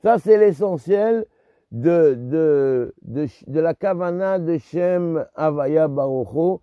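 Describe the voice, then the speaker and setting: A man giving a religious lesson on Jewish law in a halting way, with many restarts and Hebrew terms mixed into his talk. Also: fairly high pitch, dry recording, highs cut off. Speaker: Torah teacher.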